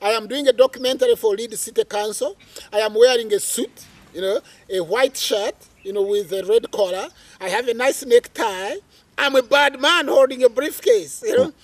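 Recorded on a lapel mic under an outdoor tree, a middle-aged man from Uganda shares his life story as an interview guest. His telling is vivid and dramatic, with plenty of fillers. He speaks at a moderate pace in an extremely high pitch, and the recording is dry.

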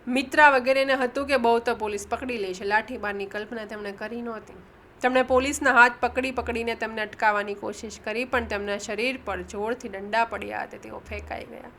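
A woman reads a novel chapter aloud in a bright, forceful voice, giving the characters' shouts extra punch and stopping now and then to correct a slip. A faint hiss sits under the reading. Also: fairly high pitch, fairly even intonation, fairly quick. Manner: reads dialogue with raised emphasis, corrects own slips. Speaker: audiobook narrator. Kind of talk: audiobook reading.

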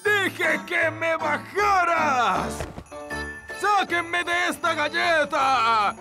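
A man voicing a pompous, excitable, grumpy middle-aged fairy king in a children's cartoon, with a Latin American Spanish accent. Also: very high voice, very slow, exaggerated voice. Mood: indignant. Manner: blustering, indignant, pompous. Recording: music behind the voice.

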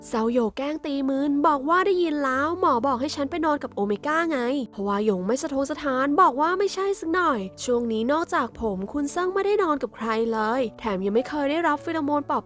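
A woman telling a series recap in a chatty, playful way, as casual spoiler narration. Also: high voice.

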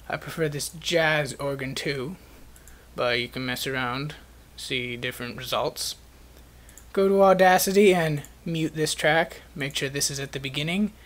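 A man with a slightly higher-pitched voice narrates a software tutorial. He presents it as a step-by-step instructional screencast.

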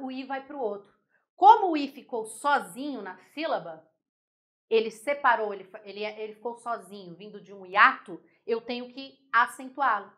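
Bright, high-voiced Brazilian teacher woman. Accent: Brazilian Portuguese. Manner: lively, explains step by step, asks the class if they follow. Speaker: Portuguese teacher. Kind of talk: online grammar lesson.

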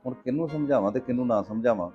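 A middle-aged man playing a patient farmer father who gives calm advice. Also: medium pitch, lightly acted. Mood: weary. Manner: calm, advising, measured. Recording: dull lo-fi sound with faint music.

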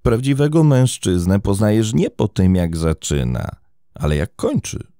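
A man reading the lines of a flattering fifty-five-year-old suitor, ingratiating and smooth. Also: on the low side, a little slow, no room sound, studio quality, voice pushed up. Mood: apologetic.

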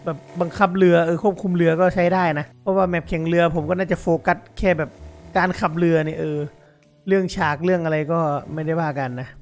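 A man giving excited game commentary to his viewers, exclaiming and laughing often. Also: sits high, quick pace, vocal fry, faint music behind. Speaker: gaming YouTuber.

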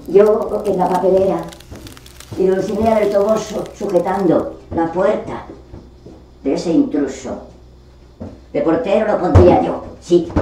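A very echoey, distant recording of a stage monologue. A woman plays a forgotten literary character, indignant and sorry for herself, who laments slowly and melodramatically with dramatic pauses. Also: fairly low pitch, dark tone. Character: forgotten, discarded literary character, bitter, self-pitying and indignant. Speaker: actor rehearsing a monologue. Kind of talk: theatrical monologue. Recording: distant mic, echoey room, faint noise.

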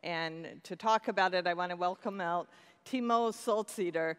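A woman's voice: fairly low pitch, moderate pace, clean tone. A middle-aged woman hosting a conference keynote, upbeat and enthusiastic, speaking into a headset mic on a large stage. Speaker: keynote host. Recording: long hall reverb with faint music.

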